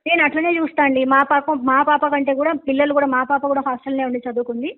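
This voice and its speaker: A woman's voice: high voice, steady tone, racing. A middle-aged woman with a Telangana Telugu accent, a school principal protesting and repeating denials over a phone line. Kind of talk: defensive phone conversation. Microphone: telephone. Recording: tinny narrowband phone call.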